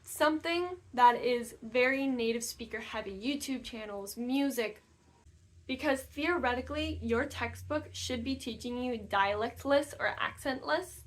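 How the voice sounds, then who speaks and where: A woman's voice: on the high side, unhurried. A young woman vlogging casually about learning languages, speaking in a chatty way with frequent fillers and restarts. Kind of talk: casual talk to camera. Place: new house, room not yet decorated.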